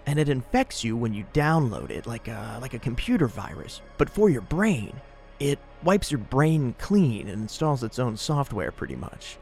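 A man acts out an anxious investigator in a mystery audio drama. His voice is gravelly and swings widely in pitch as he spins theories in a conspiratorial, dramatic tone, with music playing underneath. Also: darkish tone.

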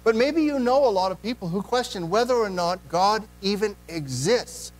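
A man's voice: sits high, lively intonation, moderate pace, rough recording. A man preaching a sermon in a church, earnest, putting direct questions to the congregation. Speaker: pastor.

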